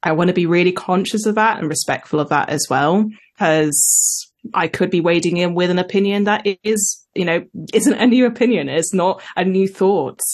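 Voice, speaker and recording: Speaking at a moderate pace in a British accent, a woman with a medium-pitched voice keeps her loudness very even and her pitch variation ordinary. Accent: received pronunciation British. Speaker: science communicator. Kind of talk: casual interview chat.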